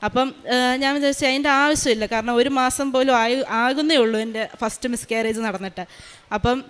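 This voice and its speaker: Rapid, smooth-voiced woman giving a testimony. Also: fairly high pitch, fairly bright tone. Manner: quick and earnest, with frequent hesitation sounds. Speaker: maternity nurse giving a testimony. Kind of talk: emotional personal testimony. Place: large church hall.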